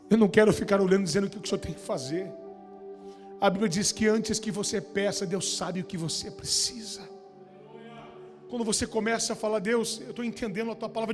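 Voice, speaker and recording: A man preaching a sermon as pastor, moving between quiet storytelling and shouted, fervent exhortation in a church. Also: sits high. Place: church hall. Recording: long church reverb, music behind.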